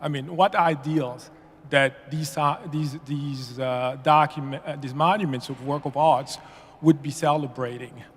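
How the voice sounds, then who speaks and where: A man from Haiti giving public comment at a meeting, halting and full of fillers and restarts. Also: on the high side, steady tone, breathy edge. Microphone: podium mic. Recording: long reverb of a meeting hall.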